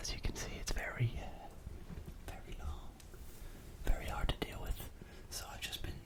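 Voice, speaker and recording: Against noticeable background noise, the whispering goes along at a moderate pace. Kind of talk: ASMR whispered ramble. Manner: whispered; hesitant, rambling.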